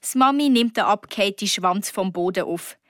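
A woman's voice: normal speed, dry recording, clean studio sound. Swiss woman reading a kids' story. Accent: Swiss German. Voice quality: lively, with sudden high outbursts. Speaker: narrator. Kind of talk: children's story reading in a girl's first-person voice.

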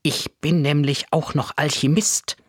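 A man voicing a small, bald, jittery male museum guide who stammers and bursts into high, panicky cries. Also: fairly even intonation, measured pace, breathy edge, no echo, clean studio sound. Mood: secretive.

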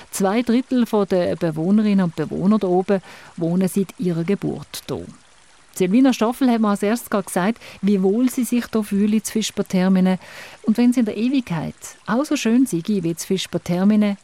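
A woman's voice: mid-range voice, moderate pace, dark tone. A Swiss German woman hosting a radio show, asking layered questions and narrating between the talks. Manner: probing, asks layered questions. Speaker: radio host.

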